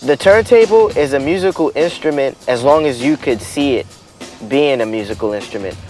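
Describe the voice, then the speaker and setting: New dj dude, easygoing, middle pitch, stops and repeats himself, big music bed underneath. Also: male voice, lively intonation, moderate pace. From New York, USA. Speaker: DJ interviewee. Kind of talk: documentary interview. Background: loud music.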